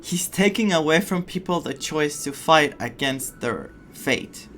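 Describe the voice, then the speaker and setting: A man's voice: on the high side, animated, a little slow, sharp tone, slight background noise. A man giving casual, opinionated reaction commentary on a story game, emotionally invested in what he watches. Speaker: game streamer. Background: faint game music.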